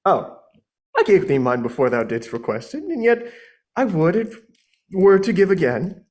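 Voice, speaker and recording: A man's voice: sits high, very animated, moderate pace, darkish tone. A man playing Juliet as an earnest, lovestruck young woman in a live amateur Shakespeare reading, with theatrical verse delivery. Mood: devoted.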